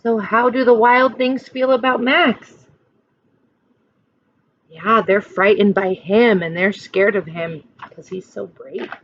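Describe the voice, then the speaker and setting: A woman teacher reading a picture book aloud to children, expressive and dramatic, with drawn-out phrases. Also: mid-range voice, dry recording, dull audio. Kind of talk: expressive picture-book read-aloud with questions to young listeners.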